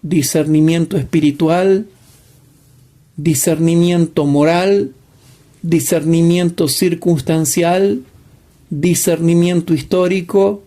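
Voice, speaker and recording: A man with a high-pitched voice leads a Bible study lecture at an unhurried pace. He drives his points home emphatically, repeating phrases and firing rhetorical questions at his listeners. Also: fairly even intonation, warm tone. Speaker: Bible teacher.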